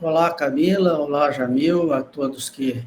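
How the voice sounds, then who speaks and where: Noticeable noise sits in the background. The talking goes very slowly. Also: man. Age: 70s. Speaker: medical professor. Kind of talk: remote TV interview. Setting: video call from home office.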